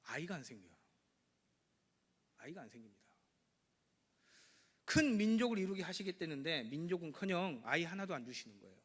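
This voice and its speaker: A male pastor preaching a sermon, acting out the dialogue of his scripture passage with sudden loud bursts. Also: on the high side, a little fast, pauses often, slightly rough. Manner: lively preaching, acts out God and Abraham with sudden loud bursts. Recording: church hall with long reverb.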